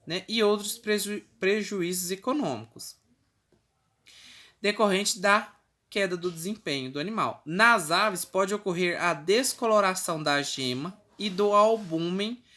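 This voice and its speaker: Speaking in a pushed, bright voice of medium pitch, the teacher walks through the material step by step in a recorded online class lecture. Her Brazilian Portuguese accent is clear, and she often adds checking tags and sometimes corrects herself.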